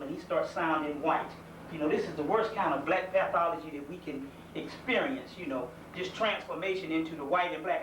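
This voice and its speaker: A man's voice: on the high side, fairly bright tone. Southern man lecturing in an echoey hall. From South Carolina. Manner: folksy, conversational, earnest. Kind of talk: informal community lecture. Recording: echoey room, mic far off, faint hiss.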